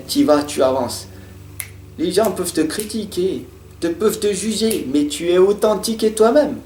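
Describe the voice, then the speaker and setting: Reading tarot cards for a monthly horoscope, this man talks in a repetitive, earnest motivational style at a medium pitch, sometimes stuttering and veering between loud and soft passages. Faint guitar music plays in a roomy space, and there's a little hiss or hum.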